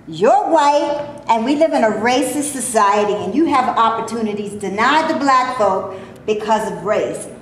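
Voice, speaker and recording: A woman playing a sharp-tongued, scornful black actress. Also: a little high. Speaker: actor in a staged reading. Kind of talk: staged play reading. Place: stage before a live audience. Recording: very echoey room, faint noise.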